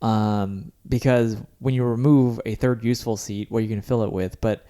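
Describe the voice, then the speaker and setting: A man's voice: fairly low pitch, steady tone, normal speed, dark tone, clear, resonant tone. A man co-hosting a casual podcast, chatty and wry, often trailing off mid-sentence. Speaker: podcast co-host. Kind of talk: casual chat.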